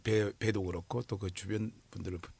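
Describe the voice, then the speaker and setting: A man's voice: fairly low pitch, fairly even intonation, fairly quick, creaky, darkish tone, slightly rough, no room sound. Earnest middle-aged male actor, dry close sound. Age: 40s. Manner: earnest, searching for words with many fillers. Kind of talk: film promotion interview.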